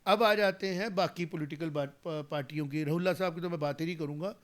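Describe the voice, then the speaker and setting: A man's voice: on the high side, brisk. A man, giving emphatic political commentary in an interview, mixing in English phrases and growing heated as he argues. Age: 40s. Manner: emphatic, rising to heated argument; mixes English phrases into speech. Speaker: guest commentator.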